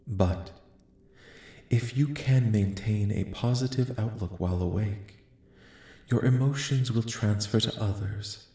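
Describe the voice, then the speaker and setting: A man playing a calm, benevolent alien envoy in a soft-spoken ASMR roleplay, speaking formally and solemnly in a measured, soothing way. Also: lowish voice. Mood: reassuring. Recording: echoing, reverberant voice track.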